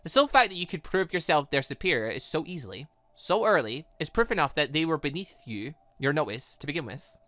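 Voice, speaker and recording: A man's voice: fairly high pitch, sing-song, a little fast, fairly bright tone, dry recording. A man voicing a smug, condescending male villain in a visual novel game, with a pompous, lecturing delivery.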